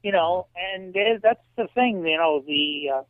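A man in his late fifties, a guest in a casual interview, telling animated stories and often saying "you know". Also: high voice, measured pace, no room sound. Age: 50s. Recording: tinny dry phone line.

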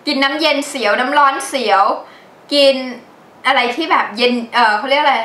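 A chatty woman with a bright, higher voice talks through her used-up products in a casual, animated way. Her voice rings around an echoey room, with a faint hiss under it. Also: fairly quick. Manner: chatty, animated, laughs often. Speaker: beauty vlogger. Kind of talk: casual product review chat.

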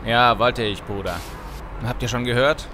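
Ein Mann spielt in einem deutschen Hörspiel einen gebieterischen, besonnenen Straßengangboss, der im Slang Befehle gibt. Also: male voice, medium pitch, steady tone, normal speed, background noise, natural voice. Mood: firm, bossy. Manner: authoritative, slangy, giving orders. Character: commanding Brooklyn street gang leader, male, urging prudence. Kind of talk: German audio drama acting.

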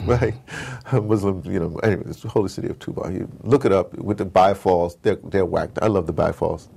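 Gravelly-voiced man in digressive interview talk. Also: low-pitched, brisk, a little hiss or hum. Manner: animated storyteller who repeats words and wanders off point. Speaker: interviewed audio drama producer. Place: at his home base in New York.

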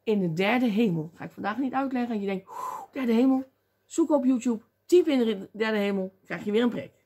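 Female preacher, animated sermon, husky and high. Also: a little fast. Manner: animated, acts out voices and cries out. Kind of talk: lively sermon.

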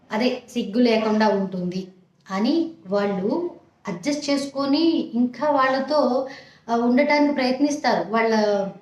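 A woman giving frank relationship advice to young wives in a motherly way, often checking that listeners understand. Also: fairly high pitch. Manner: motherly, addresses listeners as "amma". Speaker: advice channel host. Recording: echoey room.

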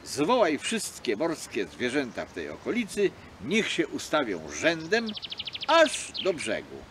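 A man's voice: a little high, huge pitch swings, measured pace, a bit bright, slight background noise, heavily acted. A man doing a plucky little fox. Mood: doubtful. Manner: cheeky, chuckling. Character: small clever male fox, plucky and tired.

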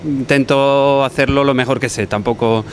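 A young man from Barcelona, a chef, answering interview questions in a restaurant kitchen, talking in a relaxed, thoughtful way with restarts. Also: medium pitch, normal speed. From Barcelona, Spain. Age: young adult. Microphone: handheld mic held by interviewer.

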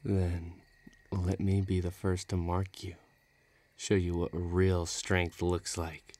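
A man's voice: deep voice, level tone, slow, darkish tone, a little hiss or hum. A man playing a menacing, bloodthirsty villain who taunts and threatens in an audio roleplay. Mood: menacing, savoring. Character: menacing bloodthirsty male villain craving a duel.

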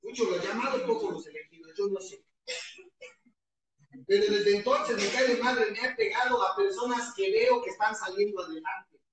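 A man's voice: high voice, moderate pace, a bit bright, a little hiss or hum. Profane Mexican man in an echoey hall. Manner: heavily profane, impassioned, voice often breaking. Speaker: recovering alcoholic giving testimony. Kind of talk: impassioned testimony at a support-group meeting. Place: meeting hall with an audience. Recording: echoey hall, mic far off, crowd behind.

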